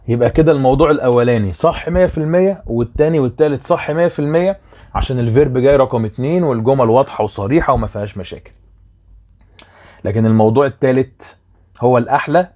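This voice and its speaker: A man's voice: mid-range voice, a little mellow. A young man with an Egyptian Arabic accent, explaining a worksheet as a German teacher in a chatty way and often checking that students follow.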